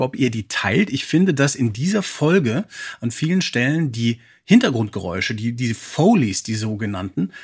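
Husky male podcast host, mid-pitched. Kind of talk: casual moderated discussion.

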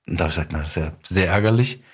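A man's voice: deep voice, racing, breathy edge. A middle-aged man telling career anecdotes in a casual interview, acting out bits of quoted dialogue as he goes. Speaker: guest, audio drama writer and director.

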